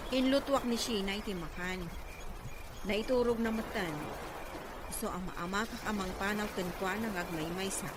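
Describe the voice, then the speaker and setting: A woman's voice: mid-range voice, moderate pace, noisy background, close to an everyday voice. A woman playing an earnest, protective younger relative with a Filipino accent in an Ilocano audio drama. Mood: reproachful.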